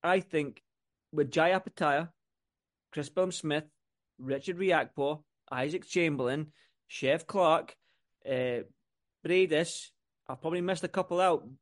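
A man from the UK co-hosts a boxing podcast in a slightly high voice, speaking a little slowly with long pauses. His casual delivery is rambling and repetitive, built on stacked lists and restarts.

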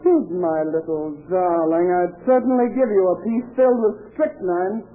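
A woman's voice: lowish voice, normal speed, natural voice. An actress playing a hard-boiled, sarcastic gangster's lady friend in a 1930s radio crime drama, with snappy, biting slang. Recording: tinny, noisy 1930s radio recording.

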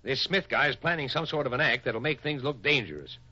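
A man's voice: medium pitch, expressive, brisk, pushed and bright, husky, exaggerated voice. An actor playing a shrewd, easygoing cowboy foreman with a folksy drawl in a 1950s radio Western. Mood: scheming. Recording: dull lo-fi old radio recording.

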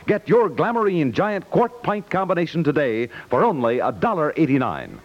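A man's voice: on the high side, very animated, moderate pace, music in the background. An American man reading announcements and sponsor ads in the style of 1950s radio. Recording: dull 1950s radio recording.

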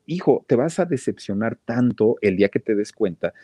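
A man's voice: mid-range voice, lively intonation, normal speed, dark tone, husky, no room sound, clean studio sound. A worried mother, as a man tells it. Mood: tender. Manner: tender, pleading. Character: gentle worried mother advising her son.

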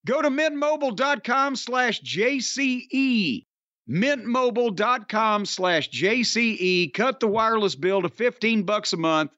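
An older man with a Southern American accent, high-voiced and rambling, cursing and joking his way through casual talk. His voice comes across dry and close, a little dull in tone. He hosts the show and keeps the sarcasm going throughout. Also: animated, unhurried, bright, forceful tone, no echo. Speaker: podcast host. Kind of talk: casual chat and ad read. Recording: dry, slightly dull audio.

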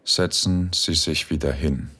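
A commanding philosophy professor speaks in a very deep, husky voice. He is calm and seductive in this erotic audio drama, and gives his orders slowly and with measured control. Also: heavily acted. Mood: stern. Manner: slow, measured, quietly commanding. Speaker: philosophy professor tutoring Spanish.

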